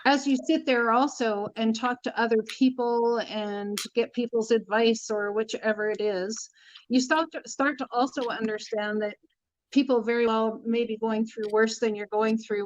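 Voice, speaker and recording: A woman's voice: a little high, fairly even intonation, unhurried, no room sound. A middle-aged woman teaching tarot, talking earnestly in a casual spiritual chat, repeating her points for emphasis. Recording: dull lo-fi sound.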